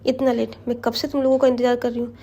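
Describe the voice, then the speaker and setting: A woman's voice: a little high, flat delivery, fast talker, dark tone. A woman doing a scolding motherly aunty. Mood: angry, scolding. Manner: scolding, then doting. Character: stern but loving middle-aged mother, theatrical.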